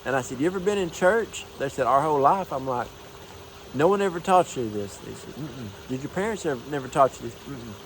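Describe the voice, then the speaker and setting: An energetic man in his forties, a minister talking casually to the camera, emphatic, telling folksy stories. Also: medium pitch, brisk, slight background noise, low-quality recording. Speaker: minister and motivational speaker. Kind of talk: casual motivational talk to camera.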